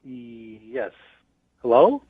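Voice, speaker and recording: A man's voice: medium pitch, very animated, extremely slow, heavy background noise. A man heard over the phone while at work, puzzled and irritated, pushing back at the caller. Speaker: prank call target. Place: at his workplace. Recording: tinny dry phone line.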